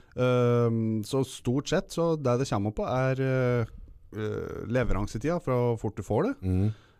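A man is speaking. His tone is dark and mellow. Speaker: podcast guest. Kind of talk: interview answer. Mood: relaxed, casual. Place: studio. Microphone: studio mic.

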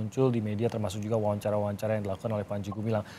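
A man speaks with light background noise. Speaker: TV news anchor. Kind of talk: TV news interview. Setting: studio. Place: studio. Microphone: lapel.

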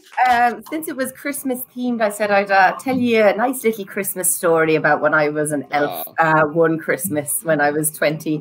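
Speaking with an Irish accent, a woman of medium pitch talks at a moderate pace with hardly any pauses and very wide pitch swings over light background noise. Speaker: comedian. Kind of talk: casual banter and short stand-up set. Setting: video call. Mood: playful, self-deprecating. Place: home room. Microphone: webcam.

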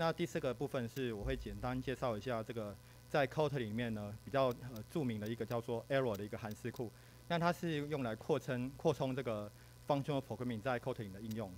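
A man with an ordinary speaking voice talks at a fairly quick pace. His pitch is medium, with ordinary variation. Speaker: software developer, conference speaker. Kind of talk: technical talk. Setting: stage with audience.

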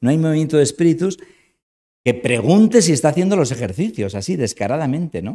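Against a quiet background, a man with a fairly high pitch and a dark, mellow tone swings his pitch very widely. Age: 60s. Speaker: bishop; bishop giving a lecture. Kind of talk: lecture. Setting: conference talk at a school. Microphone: camera far.

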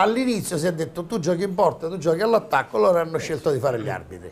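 This is a man speaking. Light background noise sits behind him. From Sicily. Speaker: TV talk show host and lawyer. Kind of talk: casual interview. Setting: TV studio. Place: studio.

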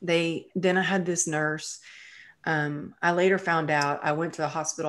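Fairly even intonation in a Texan accent. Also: woman. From Texas, small town. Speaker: motivational speaker and author. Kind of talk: personal storytelling interview. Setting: video call.

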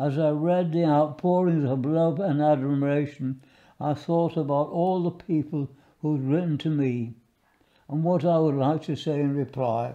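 A man with a British accent speaks at a fairly slow pace in a dark, mellow tone, his intonation fairly even and his loudness very even, against a quiet background. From United Kingdom. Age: 80s+. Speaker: army veteran. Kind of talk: children's book reading. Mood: gentle, hopeful. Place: home room.

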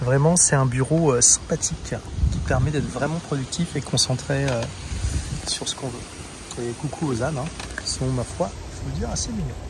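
A man talks at a moderate pace with ordinary pitch variation and long, frequent pauses, the sound dry with no echo but with noticeable background noise. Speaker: travel vlogger. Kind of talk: casual vlog chat. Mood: relaxed, cheerful.

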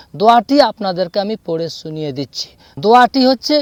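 A man's lively intonation, dry and close with no echo. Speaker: religious YouTuber, spiritual healer. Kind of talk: tutorial.

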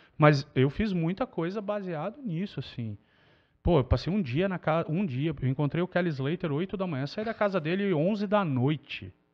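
A high-pitched male voice with lively intonation at a moderate pace, against a quiet background. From Rio de Janeiro, Brazil. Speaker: sports journalist. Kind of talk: casual chat. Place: studio.

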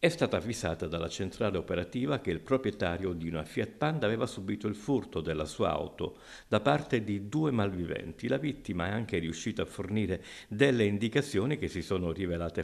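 Lively intonation marks an ordinary speaking voice that moves at a fairly quick pace. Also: man, quiet background. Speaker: news reader. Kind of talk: formal news bulletin read aloud, crime report on arrests. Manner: formal, steady, measured newsreader delivery.

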